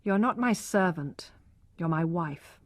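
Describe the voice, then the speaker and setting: A woman voicing a stern, logical young husband who speaks forcefully and reproachfully, read at a slow pace in a dry room. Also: fairly low pitch, animated, dry recording. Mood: firm.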